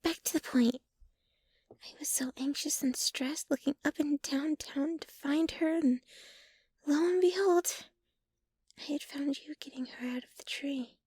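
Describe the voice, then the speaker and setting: A woman playing a sweet, shy, obsessively devoted young girlfriend in an ASMR roleplay, speaking softly and bashfully, often close to a whisper. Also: sits high, dry recording. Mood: tender, bashful. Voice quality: soft, breathy, often near whisper. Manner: bashful, giggly, halting, gushing. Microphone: close microphone, dry sound.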